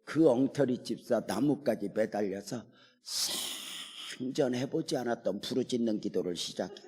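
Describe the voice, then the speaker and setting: A male pastor preaching a sermon in a church, telling a story and at times dropping to a soft near-whisper. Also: medium pitch, measured pace, breathy edge. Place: church sanctuary. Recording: long hall reverb.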